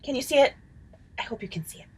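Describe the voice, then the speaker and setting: Actress doing a sneaky gossip lady, highish and swoopy. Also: lively intonation, fast, husky, heavily acted. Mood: conspiratorial. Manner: conspiratorial, sly, dramatic.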